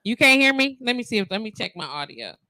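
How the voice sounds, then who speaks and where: A woman radio host, her voice bright and sharp and swinging widely in pitch. She teases her co-host through casual studio banter and laughs easily. The sound is dry and close to the mic. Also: fast, dry recording. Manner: teasing, laughs often, lively.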